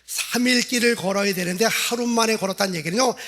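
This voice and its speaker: A man's voice: high-pitched, quick pace, fairly bright tone. A middle-aged male pastor preaching a revival sermon in a church, telling the story vividly and acting out the quoted lines. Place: church sanctuary.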